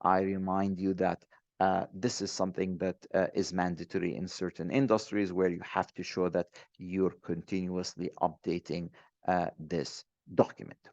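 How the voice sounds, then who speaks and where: A man's voice: low voice, little pitch movement, normal speed, a little mellow, no echo. A man presenting an online training webinar, speaking hesitantly with many fillers and restarts. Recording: dull, dry close mic.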